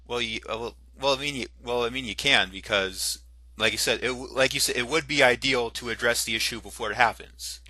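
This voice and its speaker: A man's voice: medium pitch, a little fast, sharp tone, no echo, poor audio. A man debating online, his audio choppy with words breaking off and cutting out, stumbling through repeated false starts. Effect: choppy connection, words breaking off and cutting out. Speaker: debater arguing the libertarian side.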